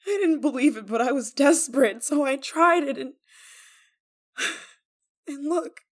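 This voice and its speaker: A woman playing a desperate, guilt-ridden young lover in an intimate audio roleplay, tender and anxious, with halting, stammering delivery. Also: sits high. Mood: desperate, confessing. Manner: halting, stammering, emotionally fragile.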